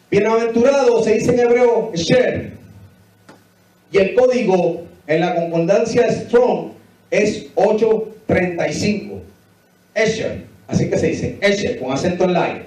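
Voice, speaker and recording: High-voiced preacher in an echoey hall. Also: male voice, dark tone, far from the mic. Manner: emphatic, repetitive, asks the congregation questions. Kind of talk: Bible teaching sermon. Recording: echoey hall, voice picked up from afar.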